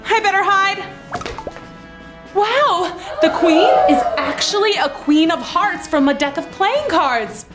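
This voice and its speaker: A woman's voice: very high voice, animated, slow, over loud music. A woman storyteller narrating a children's tale in a perky, exaggerated way, as if she were the young heroine. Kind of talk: animated first-person storybook narration, playing a young girl.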